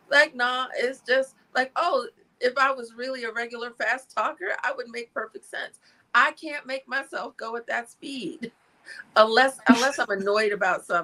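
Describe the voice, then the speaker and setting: Raising and projecting her voice, a woman speaks at a moderate pace in a high pitch with a bright, sharp tone, ordinary pitch variation and big swings in loudness. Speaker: podcast panel guest, video creator. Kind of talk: casual chat.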